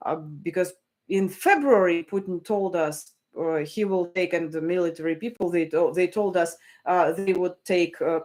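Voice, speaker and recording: A woman's voice: lowish voice, a little mellow. Woman journalist, live commentary, hesitant delivery with restarts. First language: Russian. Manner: hesitant, many fillers and restarts. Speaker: journalist hosting a live stream. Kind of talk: live stream commentary, reading viewer messages.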